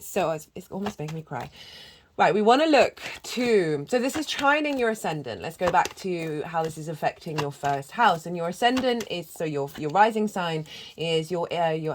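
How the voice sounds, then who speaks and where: Croaky low-voiced woman reading astrology. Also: slight background noise. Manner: gentle, flowing, spiritual delivery with frequent ums. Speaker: astrology and tarot reader. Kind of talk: channelled astrology reading to camera.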